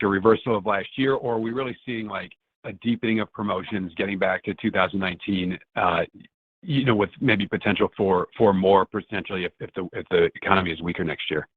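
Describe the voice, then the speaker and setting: A man's voice: lowish voice, brisk, breathy edge, dry recording. A man speaking as a financial analyst on a conference call, phrasing questions in a rambling, tentative way over a phone line. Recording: muffled dry phone line.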